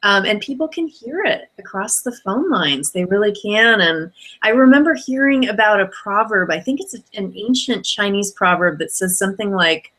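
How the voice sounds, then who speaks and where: A woman's voice: medium pitch, animated, moderate pace, hardly any pauses, a bit bright, low-quality recording. A woman hosting an interview and coaching, affirming her guest in a friendly way with fillers. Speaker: host and business coach. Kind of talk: conversational interview.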